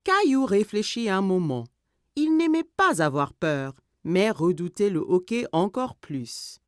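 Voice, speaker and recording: A woman narrating a children's story in an expressive, scripted storytelling style. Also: mid-range voice, measured pace, no echo, studio quality. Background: music.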